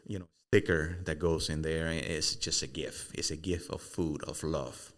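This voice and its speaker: A middle-aged man from Cuba, a business owner talking as a podcast guest, who speaks warmly with many "uh"s and repeats his words for emphasis. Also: a bass voice, fairly even intonation, measured pace. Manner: warm, repeats words, uh fillers.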